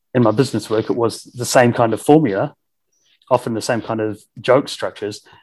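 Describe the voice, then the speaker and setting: This man talks fairly quickly in a New Zealand accent at a medium pitch. The recording is very clean, with a silent background. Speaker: musical comedian. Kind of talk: casual interview. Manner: fast talker.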